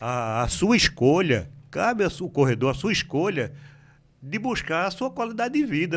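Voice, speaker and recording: Swinging his pitch very widely, a man talks in a high voice. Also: very clean recording, silent background. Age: 70s. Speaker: amateur runner, running group leader. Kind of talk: radio talk show interview.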